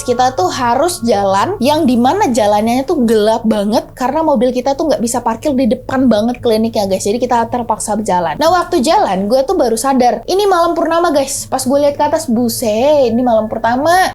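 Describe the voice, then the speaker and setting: A woman's voice: high-pitched, a little mellow. A young woman narrates a horror exploration vlog in casual, slangy storytelling, often addressing her viewers directly. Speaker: host of a ghost-hunting vlog.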